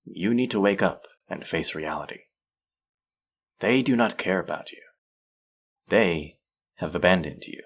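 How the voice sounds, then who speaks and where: Man playing a low-voiced manipulative supervillain captor. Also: animated, full character voice. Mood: stern, persuasive. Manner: measured, condescending, coaxing. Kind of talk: scripted roleplay audio drama.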